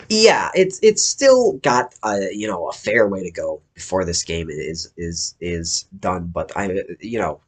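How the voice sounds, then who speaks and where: A man with a somewhat low voice talks through his game's progress in a casual vlog. He sounds eager and rambles, often breaking off to rephrase what he just said. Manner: enthusiastic, rambling, self-correcting. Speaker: indie game developer.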